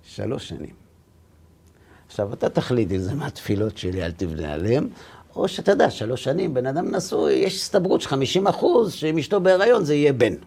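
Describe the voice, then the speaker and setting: Rabbi guy chatting, gravelly husky voice, acts out the dialogue. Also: mid-range voice, sing-song, a little mellow. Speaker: rabbi and lecturer. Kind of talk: storytelling in a conversation.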